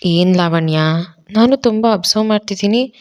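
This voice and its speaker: A woman's voice: mid-range voice, moderate pace, a little mellow, lightly acted. A woman voicing a wary young woman who questions in a doubtful tone in a storybook audio drama. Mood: suspicious.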